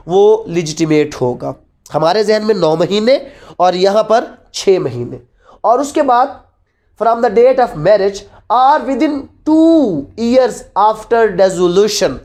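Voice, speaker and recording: A woman's voice: fairly high pitch, darkish tone. A woman with a Pakistani accent giving an explanatory lecture as a teacher, repeating key phrases and posing rhetorical questions in a didactic way. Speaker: law teacher. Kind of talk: explanatory law lecture mixing Urdu and English.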